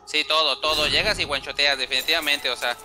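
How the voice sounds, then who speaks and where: A man's voice: fairly high pitch, fairly even intonation, pushed and bright, soft background music. Chatty man streaming a game. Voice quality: trailing restarts, drawn-out fillers. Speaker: gamer streaming gameplay. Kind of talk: casual gameplay chat.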